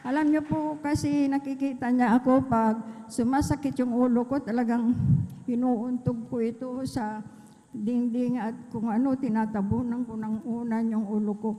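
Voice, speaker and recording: A woman's voice: fairly high pitch, steady tone, moderate pace, warm tone. A middle-aged woman from the Philippines giving an earnest personal testimony at a church service, retelling conversations and breaking in with praise. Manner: earnest storytelling with many quoted exchanges and praise interjections. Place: church worship hall. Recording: long hall reverb.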